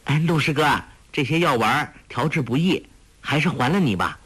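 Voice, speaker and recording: A man's voice: expressive, moderate pace, husky. A man doing a bubbly, cheeky teenage girl. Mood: coaxing. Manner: bubbly, coaxing, high and bright. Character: playful clever teenage girl, cheeky and affectionate.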